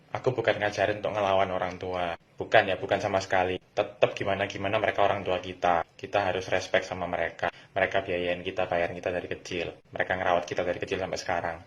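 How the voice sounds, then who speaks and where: Animated young man giving advice. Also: lowish voice. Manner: animated, preachy, acts out quotes. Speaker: vlogger. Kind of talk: casual advice monologue.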